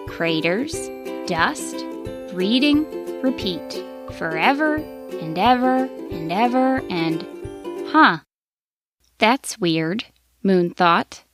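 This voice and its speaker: A woman storyteller narrating a children's bedtime story expressively, in deliberate short phrases with dramatic pauses. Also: medium pitch. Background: music.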